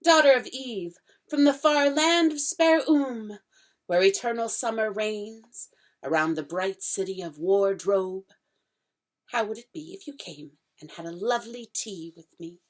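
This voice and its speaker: A woman voicing a nervous, polite male fawn who stammers and drops into breathy whispers. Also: medium pitch, unhurried, natural voice. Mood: coaxing.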